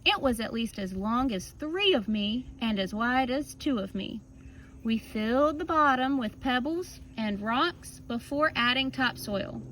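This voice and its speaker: Higher-voiced woman reading a children's story. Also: lively intonation, unhurried, a bit bright, a little hiss or hum, rough recording. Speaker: teacher reading a picture book aloud. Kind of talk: children's story read-aloud with casual asides.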